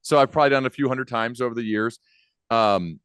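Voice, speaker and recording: A man hosts a casual podcast in an informal, chatty way. He is close on a studio microphone, with a dry sound and a mid-pitched voice. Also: fairly quick, a bit bright, clear, resonant tone, no room sound. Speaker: podcast host. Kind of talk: casual interview chat. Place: dim home studio. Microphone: large microphone close to mouth.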